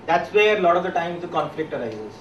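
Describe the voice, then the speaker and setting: A man explaining his thinking in a group discussion, in a measured, reflective way. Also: fairly high pitch, sing-song, dull audio, a little hiss or hum. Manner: measured, explanatory, slows on key points. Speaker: discussion participant. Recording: echoey room, distant mic, faint background.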